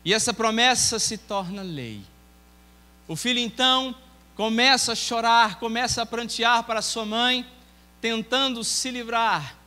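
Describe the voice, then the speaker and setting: A man's voice: very high voice, measured pace, bright, forceful tone, big-room sound. A male evangelist with a Brazilian Portuguese accent, preaching a sermon in a church and telling a story with acted dialogue. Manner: storytelling, voicing dialogue within the tale. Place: church sanctuary.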